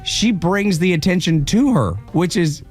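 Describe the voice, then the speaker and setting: A man's voice: sits high, expressive, unhurried, soft background music. A man with an Appalachian accent co-hosts a radio show, chatting casually in folksy, colloquial language. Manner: folksy, colloquial turns of phrase. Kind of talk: casual political talk and banter.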